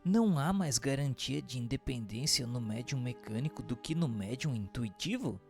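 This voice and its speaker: Earnest, methodical male questioner acted by a man, creaky gravelly voice, formal radio drama delivery over music. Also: medium pitch, expressive, normal speed. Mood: inquiring.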